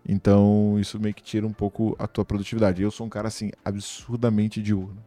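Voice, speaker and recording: A man hosting a casual chat, talking in a relaxed, slangy way with frequent laughs. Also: lowish voice, a little fast.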